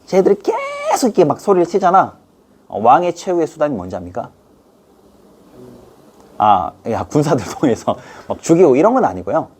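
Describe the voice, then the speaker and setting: A middle-aged man teaching an online history lesson to students, playful, often acting out little scenes in quick put-on voices. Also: fairly high pitch, sing-song, darkish tone, husky.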